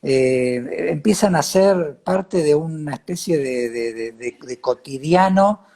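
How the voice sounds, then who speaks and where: A man with a Cordoba Argentine accent in a reflective interview conversation, haltingly repeating words as he searches for his phrasing. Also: a little high, expressive, darkish tone.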